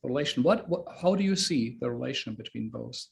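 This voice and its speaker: A man's voice: mid-range voice, expressive, a little fast, creaky. A man hosting an informal interview, searching for his words and often repeating them. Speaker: host interviewing an author.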